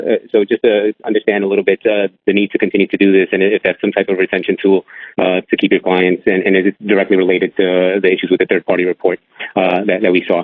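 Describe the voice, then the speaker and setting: A man with a lowish voice speaks over a narrow phone line. He puts questions as a financial analyst, politely and haltingly, restarting his phrases while keeping up a quick pace. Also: dry recording. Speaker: analyst asking questions on an earnings call. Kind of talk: spontaneous business questioning.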